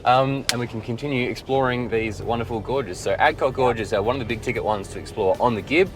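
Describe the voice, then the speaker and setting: A man's voice: medium pitch, fast talker, music in the background. Easygoing guy vlogging a trip. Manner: chatty, easygoing, lots of fillers. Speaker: travel vlogger. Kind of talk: upbeat travel narration.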